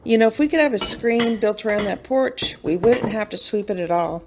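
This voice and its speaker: A woman's voice: fairly high pitch, normal speed, background noise, lightly acted. A woman playing an easygoing middle-aged mother in a radio drama, speaking casually with dry, teasing humor.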